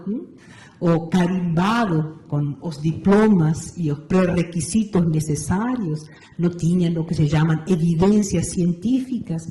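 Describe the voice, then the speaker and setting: A woman's voice: on the low side, dark tone. Argentine woman in her sixties, reflective. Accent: Argentine Spanish. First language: Spanish. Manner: measured, thoughtful, frequent "não é certo" tag. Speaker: interview guest, meditation teacher. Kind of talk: reflective interview answers. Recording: roomy echo.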